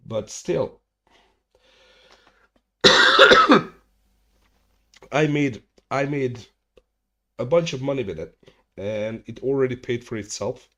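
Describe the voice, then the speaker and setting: Slow-talking man, low voice. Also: sharp tone. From Hungary. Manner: rambling, swears freely, restarts mid-sentence. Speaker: streamer hosting a chat hangout. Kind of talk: casual livestream chat. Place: at home.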